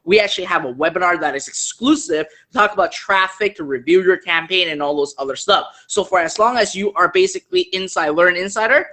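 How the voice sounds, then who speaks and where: A man hosting a live online business show, speaking English as his second language and making an earnest, persuasive pitch while often checking in with his viewers. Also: brisk, hardly any pauses, bright, forceful tone. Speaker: host.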